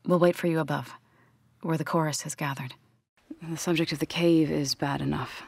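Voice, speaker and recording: An actress playing an earnest, solemn tribal healer in a science-fiction video game, speaking in a measured, grave, formal way. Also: female voice, low voice, fairly even intonation, gravelly, husky, no room sound, exaggerated voice. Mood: measured, determined. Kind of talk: scripted video game character dialogue.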